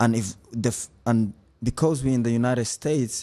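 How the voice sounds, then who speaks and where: A man with an African accent and a dark, mellow tone speaks at medium pitch and moderate pace, his pitch varying in an ordinary way. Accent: African-accented English, noticeable. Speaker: author and youth coach. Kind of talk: podcast interview. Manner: halting, many repetitions.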